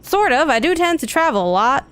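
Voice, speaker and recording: Woman doing a folksy robot guy w/ a country drawl, kinda sarcastic, highish voice. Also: sing-song, a little fast, a bit bright. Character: drawling male robot tech researcher, sly.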